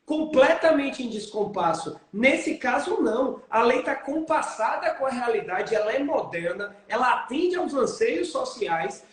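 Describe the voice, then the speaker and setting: A man, a lawyer and interview guest, explaining legal points in a measured way and posing rhetorical questions to himself. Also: very high-pitched, lively intonation. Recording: very echoey room.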